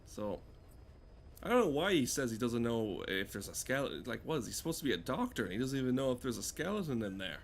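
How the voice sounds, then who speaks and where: Guy rambling over a video game, deadpan and sweary, bit of noise behind him. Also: mid-range voice, quick pace, gravelly. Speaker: gameplay streamer. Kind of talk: rambling comedic game commentary.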